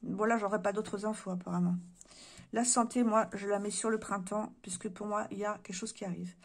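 Speaking a little fast in a mid-range voice with fairly even intonation, a card reader muses aloud to camera in an indoor room. She hesitates often during the casual reading, and her voice fails her so she has to clear her throat.

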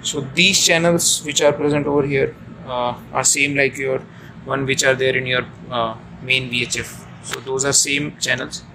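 Creaky-voiced man, flat and halting. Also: mid-range voice. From India. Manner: halting, repeats and rephrases himself. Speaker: ship officer giving an equipment tutorial. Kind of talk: informal hands-on demonstration. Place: indoors at a chart table aboard ship. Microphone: handheld phone camera mic. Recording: noisy room, amateur phone video. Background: steady room noise.

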